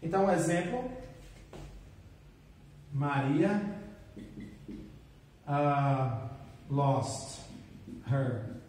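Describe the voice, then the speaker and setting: A man teaching an English lesson in a classroom, explaining slowly and repeating drill phrases. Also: on the high side, lively intonation, a little mellow, slight background noise. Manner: switches between explaining and acted example exclamations, slow repeated drills. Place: classroom with whiteboard. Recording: echoey room, voice from a distance.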